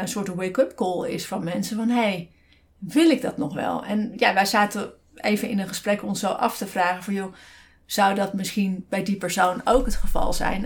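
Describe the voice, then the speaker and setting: Dutch woman chatting, full of fillers. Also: medium pitch. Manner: hesitant, many fillers and restarts. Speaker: podcast co-host. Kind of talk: casual conversational podcast. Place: at a desk beside her co-host.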